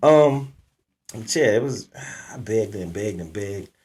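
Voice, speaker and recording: With lively intonation and a somewhat breathy voice, a man talks at a moderate pace and a medium pitch. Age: 40s. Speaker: podcast co-host. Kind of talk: casual chat.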